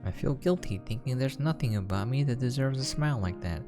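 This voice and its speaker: A man's voice: mid-range voice, lively intonation, fairly quick, music in the background. A man giving casual, musing gameplay commentary and reading visual novel text aloud. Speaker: game preview commentator.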